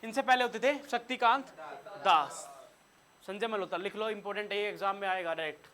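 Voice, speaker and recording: A man's voice: high voice, brisk, sharp tone. A man with a Hindi accent teaching a classroom current-affairs lesson, quizzing his students and telling them what to write down. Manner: quizzes students and has them take notes. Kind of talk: classroom lecture.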